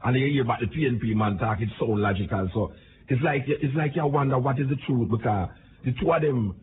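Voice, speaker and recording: A Jamaican man giving a rambling, indignant political rant. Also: mid-range voice. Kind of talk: political commentary monologue. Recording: tinny phone-like audio with noise.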